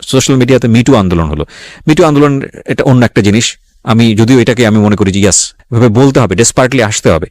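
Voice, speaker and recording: A man's voice: mid-range voice, darkish tone, no echo. A male radio host speaking earnestly on a late-night call-in show, appealing directly to parents and young listeners.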